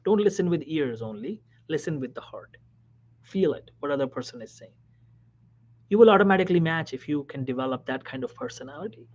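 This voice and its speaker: A man, a physician, giving career advice in a motivational talk, emphatic and repetitive, dropping now and then to a soft whisper. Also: on the high side, lively intonation, a little fast. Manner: emphatic, repeats key phrases, drops suddenly to soft whispers. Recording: dull lo-fi recording.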